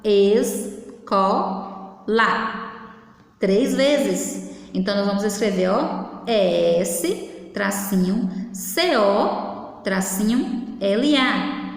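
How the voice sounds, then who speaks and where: A woman's voice: medium pitch, animated, drawn-out words, gravelly. A woman teaching a class for young children, in a patient sing-song manner that keeps prompting them to look. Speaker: primary school teacher. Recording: echoey, reverberant room.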